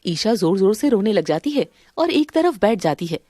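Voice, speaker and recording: A woman with a medium-pitched voice at normal speed tells a Hindi family drama, voicing several women characters with dramatic flair. She alternates between calm narration and quarrelsome voices, recorded dry with clean studio sound.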